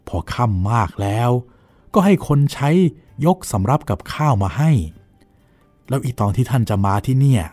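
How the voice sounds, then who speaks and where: A courteous young nephew, read by a man tells his elder what happened, his pitch swinging widely as he mimics the people he quotes. The delivery stays deferential and respectful throughout. The voice sounds dry and close, with no room echo. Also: close to an everyday voice. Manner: deferential, recounting events with lively acted quotes. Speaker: reader voicing a character. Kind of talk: dramatized novel reading.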